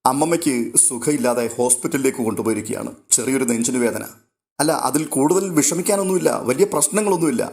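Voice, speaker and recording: A man voicing a young son who soothes his mother in a steady, reassuring way. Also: medium pitch, fast, gravelly, close to an everyday voice.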